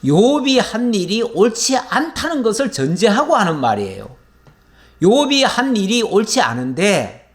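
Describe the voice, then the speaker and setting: Lively high-voiced man teaching scripture. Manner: explanatory, asks and answers his own questions. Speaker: pastor. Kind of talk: verse-by-verse Bible lecture.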